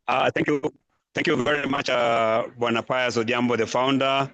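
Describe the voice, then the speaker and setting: A man's voice: mid-range voice, steady tone, moderate pace, fairly bright tone, dry recording, low-quality recording. A man, a school principal joining a live online class over a call that keeps dropping out, repeatedly checking he can be heard. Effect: call dropping out, remote line cutting in and out.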